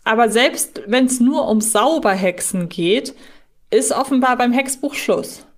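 A woman's voice: a little high, a little slow. A woman co-hosting a casual fan podcast, chatting in a wordy, emphatic way. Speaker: podcast co-host.

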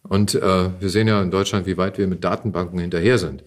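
A middle-aged man speaking as an interview guest in casual conversation, reflective and halting as he searches for words. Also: deep voice, steady tone.

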